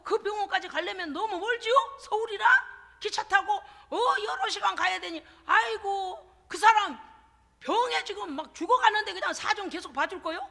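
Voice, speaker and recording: A woman pastor preaching a church sermon, animated and exclamatory, laughing often and making folksy, chatty asides to her congregation. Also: very high-pitched, gravelly. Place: church service. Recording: echoey church hall.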